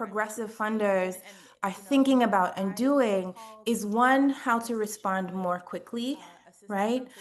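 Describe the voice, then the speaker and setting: Using a plain, everyday voice, a woman speaks at a fairly slow pace. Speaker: funder working on Caribbean feminist movements. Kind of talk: webinar panel talk.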